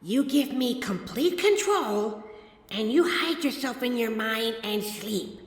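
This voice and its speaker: A woman's voice: a little high, animated, slow pace. A woman playing a teasing, impatient female demon who shares a fairy's mind, speaking in a sardonic, coaxing, conversational way for an ASMR audio roleplay. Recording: echoey, long reverb on voice.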